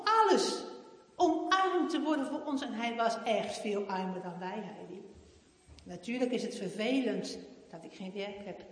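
A woman's voice: high-pitched, voice pushed up. A woman voicing a kind, cheerful father who talks in an encouraging, laughing manner, read aloud in a story. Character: kind cheerful father, middle-aged man. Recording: echoey hall.

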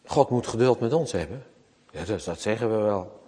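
A man's voice: fairly low pitch, lively intonation, normal speed, dark tone, slightly rough, long reverb tail. A man preaching a sermon, speaking emphatically and addressing the congregation directly.

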